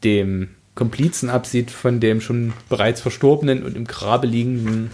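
Man, medium-pitched voice, casual podcast talk, blunt, slangy, argumentative. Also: fairly even intonation, normal speed, a little mellow. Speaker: podcast co-host. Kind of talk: casual book discussion.

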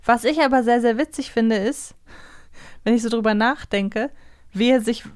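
Dry-recorded higher-voiced woman co-host. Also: normal speed, clean tone, no echo. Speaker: podcast co-host. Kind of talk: casual chat.

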